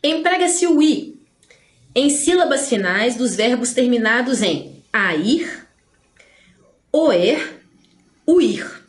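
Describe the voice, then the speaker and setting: A Brazilian woman teaching a grammar lesson, explaining in a chatty way and stretching words slowly to stress them. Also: on the high side, big pitch swings, reverberant.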